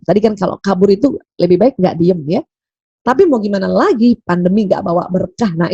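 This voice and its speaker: A middle-aged woman giving a lively parenting lecture, acting out quoted examples and laughing often. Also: on the high side, breathy edge, no echo, muffled recording. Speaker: doctor giving a parenting study talk.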